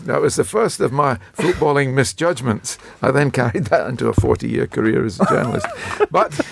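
A man in his seventies with a croaky voice, a retired football writer telling rambling, self-mocking stories in a casual chat. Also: medium pitch, wildly swooping pitch, moderate pace, no echo. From Scotland. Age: 70s.

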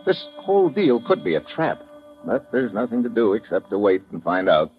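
An actor playing a tough, wisecracking special agent in a radio drama, with an American accent and a blunt, sardonic way of talking. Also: male voice, on the low side, very animated, normal speed, faint music behind. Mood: tense, narrating. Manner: hard-boiled, sardonic, blunt. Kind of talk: 1950s radio drama acting and narration. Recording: muffled old radio recording.

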